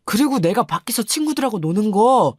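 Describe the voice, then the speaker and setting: A woman's voice: medium pitch, sing-song, fairly quick, a little mellow, no room sound. Brief: sulky teen boy, curt and dismissive, dry close sound, put on by a woman. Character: sulky, rebellious teenage older brother. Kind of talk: radio story drama.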